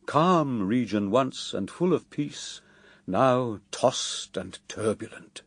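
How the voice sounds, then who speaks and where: A man as a grave poet narrator, reading epic verse in a measured, declamatory way for radio drama. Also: mid-range voice, expressive, no room sound.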